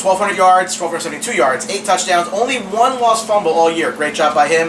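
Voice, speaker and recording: Talking at a very fast pace in a high pitch, a man with an American accent shows ordinary pitch variation, with audible room echo and noticeable background noise. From US East Coast. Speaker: sports show co-host. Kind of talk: sports talk show. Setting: studio.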